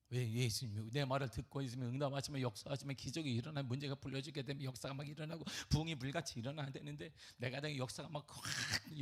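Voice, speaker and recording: A man preaching a sermon at a church prayer meeting, with animated rhetorical questions and sudden drops to a near whisper. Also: medium pitch, breathy edge. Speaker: pastor. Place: church sanctuary.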